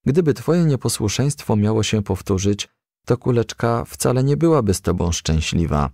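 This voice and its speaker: A man voicing a kind, frank female advisor in a storybook, coaxing and gently admonishing. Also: on the low side, expressive, normal speed, no echo, clean studio sound. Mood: consoling, admonishing.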